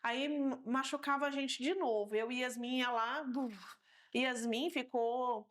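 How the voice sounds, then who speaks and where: A woman with a Brazilian Portuguese accent tells her faith testimony as a talk-show guest. Her voice sits a little high, and she brings the story to life by acting out what she once said and thought. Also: unhurried. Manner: animated storytelling, acting out her own past words.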